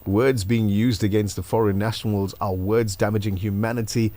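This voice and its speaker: A man hosting a live breakfast radio show, chatting with a guest and reading out listener messages in a relaxed way. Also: on the low side, normal speed.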